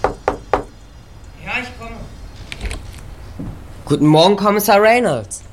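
Audio drama boy detective: high youthful voice, deferential, noticeable background noise. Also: expressive, slow. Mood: polite, defensive. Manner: polite, deferential. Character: polite, eager teenage boy detective. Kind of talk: German audio drama acting. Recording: noisy old audio drama clip.

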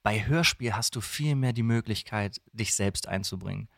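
A man's voice: lowish voice, moderate pace, vocal fry, a bit bright, dry recording, clean studio sound. A man, a voice actor chatting casually as an interview guest. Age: 30s. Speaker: guest, voice actor for dubbing and audio dramas.

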